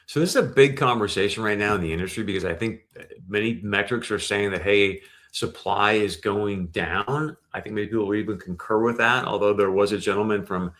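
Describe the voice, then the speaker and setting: A man's voice: lowish voice, fairly quick, fairly bright tone. A man hosting a show, giving conversational, explanatory industry commentary with emphasis. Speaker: show host.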